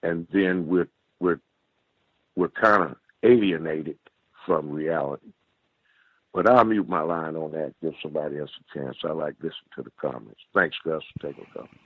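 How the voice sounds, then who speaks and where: A man in his sixties calling in to a book discussion, speaking in a halting, thoughtful and critical way. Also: extremely low pitch, slightly rough, no room sound. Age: 60s. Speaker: caller on a study-group call. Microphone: phone. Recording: tinny dry phone line.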